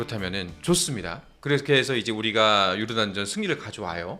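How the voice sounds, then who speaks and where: A man talks with a bright, sharp tone. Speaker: sports show host. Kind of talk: casual panel discussion.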